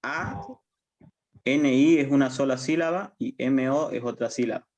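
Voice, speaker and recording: A man's voice: medium pitch, measured pace, darkish tone, muffled recording. Patient Bolivian man teaching a class. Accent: Bolivian Spanish. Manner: patient, repetitive, checks understanding often. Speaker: university language teacher. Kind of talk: online class lecture.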